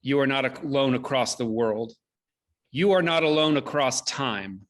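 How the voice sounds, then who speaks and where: A man with a mid-pitched voice hosts an online event. He gives closing remarks in a measured, solemn way, building phrases through deliberate repetition. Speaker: host, theater company director. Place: indoors, online video call.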